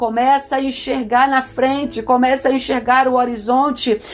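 A high-pitched woman's voice comes through with noticeable background noise. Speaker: bishop preacher. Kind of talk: sermon; prayer. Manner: animated.

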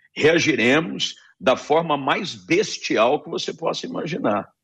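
A man talks fairly slowly, the background quiet. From Rio de Janeiro, Baixada Fluminense. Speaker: pastor, debate panelist. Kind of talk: radio panel debate, preaching style. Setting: radio studio.

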